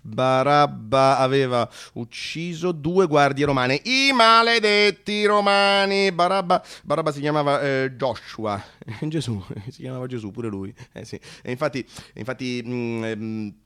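An actor performing a theatrical comic radio monologue as an agitated, self-righteous, contradictory Catholic leftist, stammering, repeating himself and swinging between muttering and shouting. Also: male voice, mid-range voice, unhurried, clean tone. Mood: wry storytelling. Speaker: narrator-actor of a satirical monologue.

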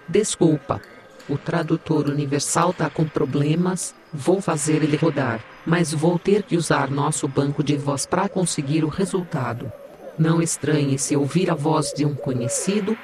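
A man voices a digital AI assistant with a diva's vanity in an audio drama. The voice sits a little high, teasing and theatrical, while delivering information matter-of-factly. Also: measured pace, heavy background noise, lightly acted. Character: sassy, vain digital AI assistant, self-styled diva.

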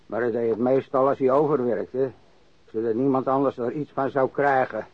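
An actor playing a crusty old warehouse worker and ex-sailor who grumbles and rambles bluntly, in a radio drama. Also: male voice, medium pitch, fairly even intonation, moderate pace, no room sound, close to an everyday voice. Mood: grumbling, reminiscing. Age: older. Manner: grumbling, rambling, cursing, repeats himself. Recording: dry, dull lo-fi radio recording.

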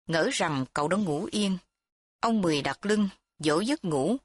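A woman's voice: lowish voice, expressive, a little slow, no echo. Woman reading a story aloud, dry sound. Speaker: narrator. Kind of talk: storytelling narration.

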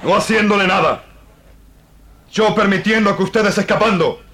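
An actor playing a proud, fierce indigenous chief in an old radio drama, speaking a solemn broken Spanish full of gerunds. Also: male voice, sits high, normal speed, sharp tone. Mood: anguished, firm. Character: proud, fierce Mapuche cacique warrior hero. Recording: noisy archival AM radio recording.

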